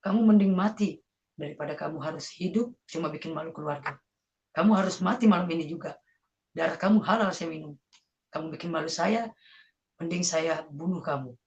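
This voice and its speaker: A man's voice: fairly high pitch, brisk, lo-fi sound, voice pushed down, close to an everyday voice. A woman quoting a harsh, stern father. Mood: harsh scolding. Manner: cold, scolding threats. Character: harsh stern father threatening his daughter.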